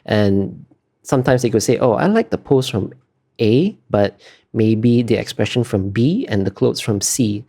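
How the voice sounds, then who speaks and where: A man's voice: mid-range voice, lively intonation, measured pace, mellow. A man being interviewed as an artist, talking casually and thoughtfully, feeling his way through explanations in trailing clauses.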